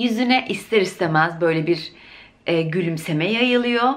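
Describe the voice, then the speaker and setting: In a plain, everyday voice, a woman speaks at a medium pitch and a fairly slow pace with lively intonation. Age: 30s. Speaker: beauty and perfume vlogger. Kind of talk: casual vlog talk to camera.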